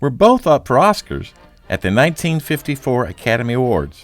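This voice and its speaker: With music in the background, a man of medium pitch speaks at a moderate pace using very wide pitch swings. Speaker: documentary narrator. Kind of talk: documentary history narration.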